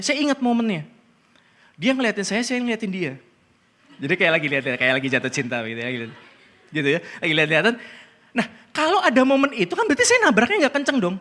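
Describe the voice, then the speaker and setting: Male preacher, fast and lively delivery, bright voice, chatty storytelling sermon. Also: very high voice. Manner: chatty, animated, laughs at own story, slangy. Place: church.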